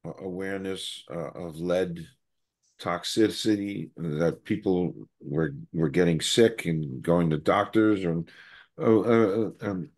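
An older man hosting a video call interview asks his question slowly and haltingly, hunting for the words. His voice is deep and unhurried. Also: darkish tone. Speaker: host.

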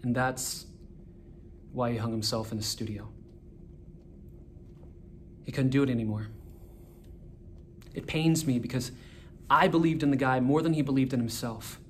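A man in his twenties performing a dramatic monologue as a searching, reflective soliloquy with pauses, recorded indoors a short way from the camera. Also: medium pitch. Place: small indoor room with a wall-mounted TV. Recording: noticeable background room noise.

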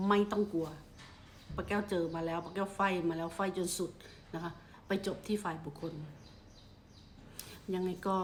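A middle-aged woman from Thailand talks to camera in a casual advice vlog, her voice sitting a little low. She keeps a polite, measured pace and softens nearly every phrase with a gentle courteous ending. A faint ambient hum runs beneath her. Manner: polite, ends almost every phrase with a soft "na kha", measured and steady. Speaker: vlogger giving advice.

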